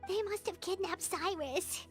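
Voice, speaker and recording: A woman's voice: extremely high pitch, measured pace, music in the background. A woman voicing a tiny, childlike, jumpy and outspoken female companion in an anime video game. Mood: anxious, suspicious. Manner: exclaims, refers to self in third person.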